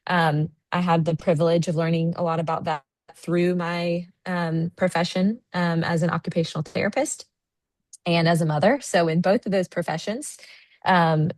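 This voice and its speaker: An American woman in her thirties talks warmly and loosely on a video call, full of "um"s and "like"s. She is short on sleep, and her voice sits low and dry. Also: fairly even intonation, moderate pace, no echo. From United States. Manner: chatty, friendly, many fillers. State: sleep deprived. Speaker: guest presenter. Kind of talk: online presentation.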